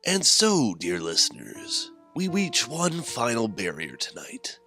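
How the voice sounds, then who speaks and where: A man playing an ominous, theatrically courteous horror host, speaking in a drawn-out, grandiose manner for an audio anthology. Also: medium pitch, huge pitch swings, sharp tone, faint music behind, full character voice. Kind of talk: scripted horror anthology sign-off.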